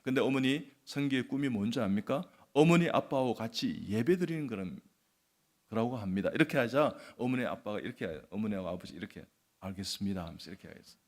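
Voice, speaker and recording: An older man preaches at a medium pitch and tells a testimony with animated energy. He is a church elder and plays out each person in the story as he goes. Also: quick pace. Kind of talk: sermon testimony.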